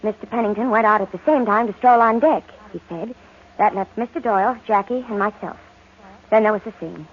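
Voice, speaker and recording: An actress playing a jittery, defensive young woman passenger with halting, nervous speech in an old-time radio melodrama. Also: medium pitch, husky. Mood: uneasy, recounting. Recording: muffled, noisy old radio recording.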